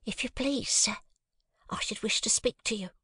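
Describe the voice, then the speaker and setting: A man reading an audiobook, voicing a timid, respectful young housemaid in a hushed, breathy, deferential way. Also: medium pitch, moderate pace, no echo, whispered, clean studio sound, voice pushed up.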